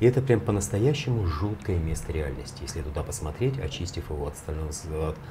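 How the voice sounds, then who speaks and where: A man talks at a fairly quick pace with very wide pitch swings over light background noise. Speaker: spiritual teacher. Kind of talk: interview. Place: home room.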